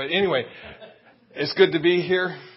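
There is noticeable background noise as a man talks in an American accent. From Michigan, US. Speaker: missionary preacher. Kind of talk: sermon. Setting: church. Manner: animated.

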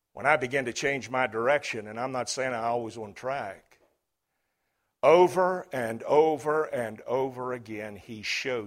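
In a very clean recording with a silent background, a man speaks with an American accent. His medium-pitched voice shows ordinary pitch variation. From Washington DC area. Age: 60s. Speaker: preacher. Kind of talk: sermon. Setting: church. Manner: animated.

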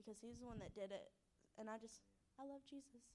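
A woman with a North Carolina accent speaks with a fairly high pitch and fairly even intonation. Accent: US South, North Carolina. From Roanoke Rapids, North Carolina. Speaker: recovery program intern. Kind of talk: testimony. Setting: church stage with audience. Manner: nervous laughter.

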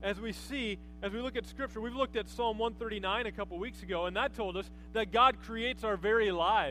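Music in the background beneath a man's moderately paced speech. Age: 30s. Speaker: pastor. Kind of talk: sermon.

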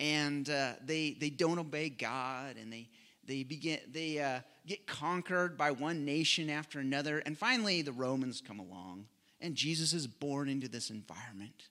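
In a very clean recording with a silent background, a man with a fairly high pitch speaks at a moderate pace with ordinary pitch variation. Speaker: missionary. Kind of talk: sermon-style talk to a congregation. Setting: church. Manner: halting, with fillers and restarts.

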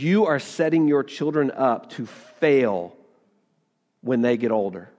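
Speaking very slowly, a man talks with a Southern US accent. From US South. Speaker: pastor. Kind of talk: sermon. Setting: church.

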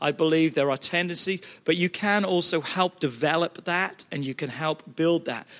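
This man has a plain, everyday voice at a fairly high pitch with ordinary pitch variation. He speaks at a moderate pace with hardly any pauses, in a dry, close sound with no echo. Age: 40s. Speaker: pastor. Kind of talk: leadership workshop talk.

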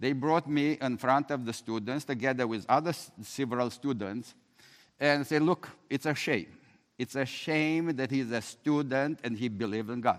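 A man speaks with a Romanian accent and ordinary pitch variation. The recording is very clean, with a silent background. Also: medium pitch for a man, moderate pace. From Romania, Transylvania. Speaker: medical missionary doctor. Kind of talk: testimony. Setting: stage with audience.

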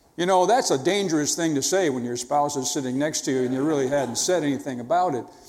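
Amid noticeable background noise, a man with a fairly high pitch and ordinary pitch variation talks at a very fast pace with hardly any pauses. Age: 70s. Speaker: visiting pastor. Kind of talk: sermon. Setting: church.

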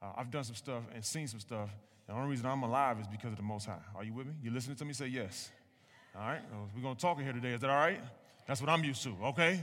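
A very fast, animated man with an American accent, medium pitch, ordinary pitch variation and audible room echo. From Cleveland, Ohio. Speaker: pastor. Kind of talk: sermon.

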